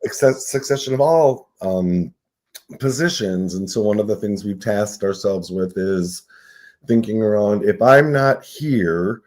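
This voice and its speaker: Earnest sixty-five-year-old man, mellow low voice. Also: expressive, a little slow. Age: 60s. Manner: reflective, earnest, uses "right?" often. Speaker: nonprofit CEO, guest. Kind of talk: casual radio interview.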